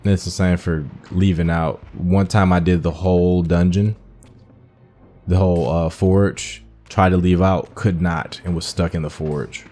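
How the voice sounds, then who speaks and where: Man, deep voice, dark tone, casual gaming commentary, informal, faint background music. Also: steady tone, measured pace. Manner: informal, thinking aloud. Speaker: gaming video host.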